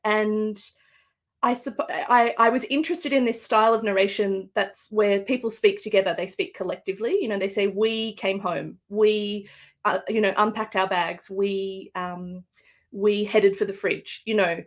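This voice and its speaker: A woman's voice: medium pitch, fairly even intonation, normal speed. An Australian woman, an author, speaking thoughtfully with fillers and restarts in a live book interview over a video call. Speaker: guest author.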